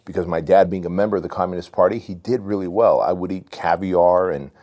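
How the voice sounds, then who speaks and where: Deep-voiced man telling his story. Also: fast, dark tone. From Armenia. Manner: candid, loose, says "man" a lot. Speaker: podcast guest. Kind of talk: casual storytelling.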